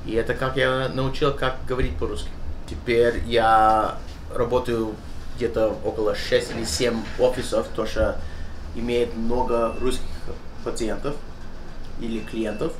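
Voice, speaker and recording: A man in his thirties, a dental surgeon with an English-speaking Canadian accent, chatting in halting Russian and slipping into English, recorded in a small dental office. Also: mid-range voice, flat delivery, roomy sound, a little hiss or hum, rough recording. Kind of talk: casual interview.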